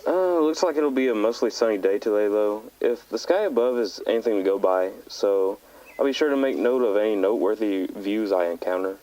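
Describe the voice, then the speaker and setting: An actor playing a young male hiker who records a calm, matter-of-fact tape diary on the trail in an audio drama. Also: fairly low pitch, fairly quick, lightly acted, low-quality recording. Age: young adult. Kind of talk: found-footage audio drama.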